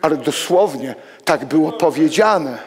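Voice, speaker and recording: Animated older pastor in an echoing church. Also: male voice, unhurried. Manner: animated, walks among the pews, swings between loud exclamations and hushed low asides. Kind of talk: sermon. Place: church hall with pews and congregation. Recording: long reverb of a church hall.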